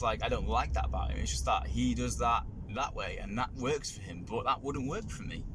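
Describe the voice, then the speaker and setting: Fairly quick male speech amid noticeable background noise, with audible room echo. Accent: northern English. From northern England. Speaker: actor. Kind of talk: casual chat. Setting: in a taxi.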